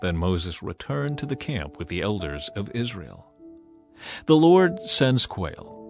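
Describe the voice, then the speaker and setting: A man narrating a dramatized Bible reading in a deliberate, solemn and expressive way. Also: medium pitch.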